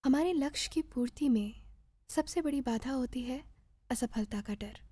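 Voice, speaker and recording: A woman guiding a meditation in a soft, breathy voice, giving gentle, soothing and measured instructions with pauses. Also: sits high, no room sound. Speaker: meditation guide. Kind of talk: guided meditation narration.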